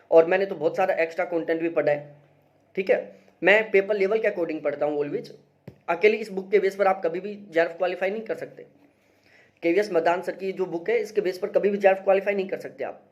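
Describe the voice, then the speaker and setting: A man's voice: sits high, darkish tone. A young man, an exam-prep teacher, talking through study books in a casual, emphatic way and often checking in with his listeners. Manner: emphatic, repeats advice, frequent "theek hai" check-ins. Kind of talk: casual explanatory review.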